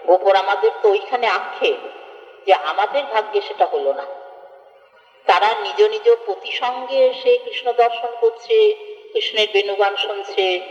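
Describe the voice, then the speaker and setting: A woman from West Bengal giving a devotional scripture discourse, explaining earnestly and chanting verses slowly. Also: medium pitch. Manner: earnest expository, with slow chanted verse recitation. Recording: echoey hall, dull lo-fi, faint music.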